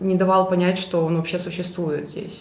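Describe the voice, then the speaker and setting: Amid noticeable background noise and audible room echo, a woman at medium pitch talks at a fairly quick pace. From Russia. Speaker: frontend programmer. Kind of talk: interview.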